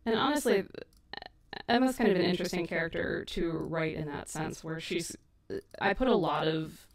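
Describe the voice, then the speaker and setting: A woman chats casually while editing on a livestream, self-deprecating and quick to laugh. Her fairly low voice has a gravelly fry, and she sits back from an echoey mic. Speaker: audio drama creator and host. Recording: echoey stream mic from a distance.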